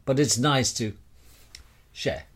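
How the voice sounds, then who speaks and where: A man delivering a rambling monologue straight to the listener in a wry, theatrical manner with deliberate dramatic pauses. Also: medium pitch, slightly rough. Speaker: speaker sharing personal views.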